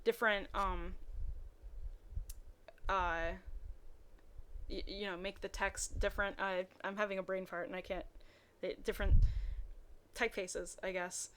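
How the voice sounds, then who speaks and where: A woman's voice: medium pitch, flat delivery, a little slow, pauses often, bright, forceful tone, clean tone. A woman reading fanfiction aloud, breaking off into casual, hesitant, wry asides. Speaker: reader mocking bad fanfiction.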